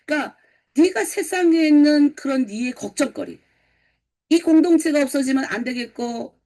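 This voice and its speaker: A middle-aged woman pastor from North Korea with a North Korean accent, giving a lively morning sermon and putting questions to her congregation. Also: sits high, moderate pace. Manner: lively, asks the congregation questions and answers them. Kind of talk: early-morning sermon lecture.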